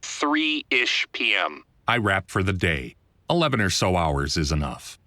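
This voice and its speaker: Animated low-voiced man, wry audiobook narration. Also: measured pace, dry recording. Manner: wry, self-deprecating, conversational. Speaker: audiobook narrator, author reading own book. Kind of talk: first-person scripted narration.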